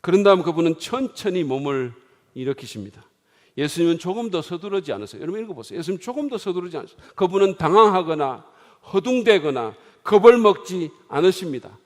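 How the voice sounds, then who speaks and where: A middle-aged man preaching a sermon in a church, swinging dramatically from hushed, quiet lines to loud exclaiming. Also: high voice, very animated, fast talker. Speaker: pastor. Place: church sanctuary. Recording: long hall reverb.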